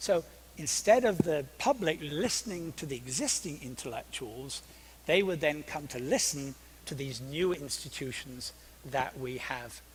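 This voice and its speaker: A man with a fairly high voice speaks at a fairly slow pace, his intonation lively and his loudness swinging widely. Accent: British. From Britain. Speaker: professor. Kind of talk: lecture.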